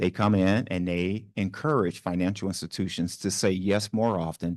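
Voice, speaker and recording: Very deep and low, a man's voice carries a Southern US accent and ordinary pitch variation. He talks at a fairly quick pace against a quiet background. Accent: Southern US, slips out at times. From New Orleans, Louisiana. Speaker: small business lending official, panelist. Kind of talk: panel discussion presentation. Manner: many fillers and repetitions.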